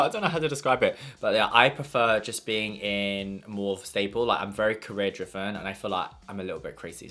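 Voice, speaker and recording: Bright-voiced chatty young man. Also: on the low side. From London. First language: Portuguese. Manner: chatty, gossipy, lots of "like". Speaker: makeup artist vlogger. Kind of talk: casual mukbang chat.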